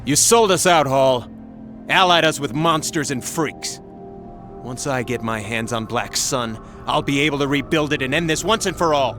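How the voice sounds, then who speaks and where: An actor playing a bitter, paranoid rogue general in a video game, speaking in an intense, accusing way. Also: male voice, mid-range voice, moderate pace, fairly bright tone, faint music behind, lightly acted. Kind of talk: video game cutscene acting.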